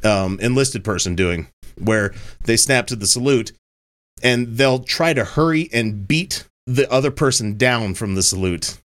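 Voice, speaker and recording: A man's voice: mid-range voice, lively intonation, measured pace, fairly bright tone. A man in his fifties co-hosting a casual podcast chat, swearing freely and laughing often. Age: 50s. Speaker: podcast co-host.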